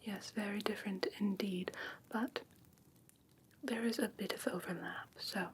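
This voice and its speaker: A woman playing a curious, haughty fae creature in an ASMR fantasy roleplay, whispering softly in a hesitant, musing, gently condescending way. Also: medium pitch, fairly even intonation, a little slow, a little hiss or hum, natural voice. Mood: curious, soothing. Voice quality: soft breathy whisper.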